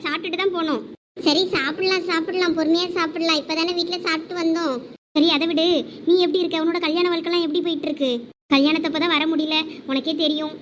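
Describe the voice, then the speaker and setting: A woman voicing a lively young village wife and her friends in a comedy drama, bossy, teasing and chatty. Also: very high voice, a little hiss or hum.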